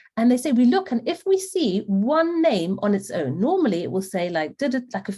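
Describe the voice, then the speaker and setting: Somewhat breathy and dark, mellow in tone, a woman's voice moves at a fairly quick pace. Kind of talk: online lecture. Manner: fast.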